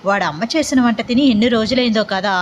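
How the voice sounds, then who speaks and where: A woman's voice: on the high side, fast, slight background noise, close to an everyday voice. A woman voicing an affectionate, cheerful middle-aged aunt in an audio story. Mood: doting.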